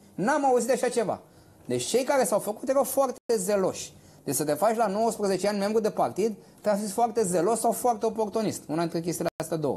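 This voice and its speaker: This man's high-pitched voice has a dark, mellow tone, and he talks at a fairly quick pace with lively intonation. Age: 40s. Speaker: politician. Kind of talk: heated debate. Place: studio. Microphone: lapel.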